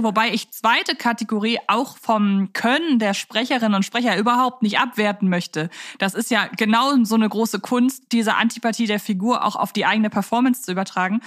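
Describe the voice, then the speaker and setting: A woman's voice: mid-range voice, a bit bright. A woman with a mid-range voice talks as a podcast host. Her style is conversational, and she puts her thoughts in an articulate, reflective way.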